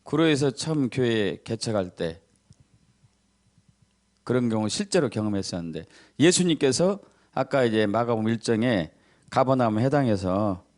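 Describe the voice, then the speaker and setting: A middle-aged male pastor preaching a sermon. He stresses key words by repeating them low, and he tells stories in which he acts out the voices of the people in them.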